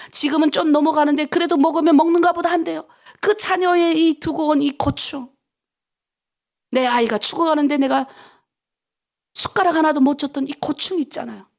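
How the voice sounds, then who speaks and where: A middle-aged woman pastor from North Korea leads an early-morning prayer sermon. Her voice sits high with a gravelly, fried edge. She preaches fervently, sinking into hushed whispers and rising into pleading cries.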